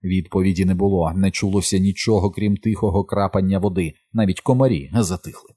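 Deep husky male audiobook narrator. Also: fairly quick, warm tone. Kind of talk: scripted narration.

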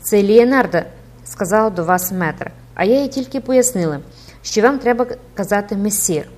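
A woman voicing a bold, festively dressed young girl with a lively, chiding manner. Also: medium pitch, normal speed, close to an everyday voice.

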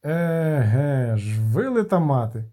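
A man's voice: mid-range voice, very animated, slow pace, mellow. A man voicing a jovial, chatty halfling.

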